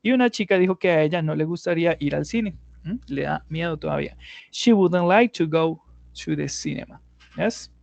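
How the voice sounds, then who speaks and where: A man's voice: fairly high pitch, lively intonation, moderate pace, creaky, a little mellow, no echo. A male English teacher explaining grammar in an online class, patiently going step by step and often checking in with his students.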